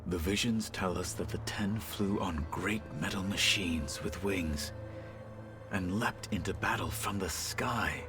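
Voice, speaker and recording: Deep-voiced stoic tribal warrior, music behind. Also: male voice. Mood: reverent, admiring. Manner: formal, measured, solemn phrasing. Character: stoic proud tribal warrior man, loyal and reverent. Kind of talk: video game character dialogue.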